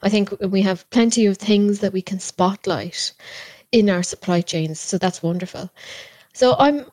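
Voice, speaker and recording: A woman's voice: mid-range voice, a little slow, darkish tone, dry recording. A woman with an Irish accent from Cork, a podcast guest talking with enthusiasm and often repeating words as she gathers her thoughts. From Ireland. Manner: enthusiastic, repeats words while searching for phrasing. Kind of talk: conversational interview. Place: home.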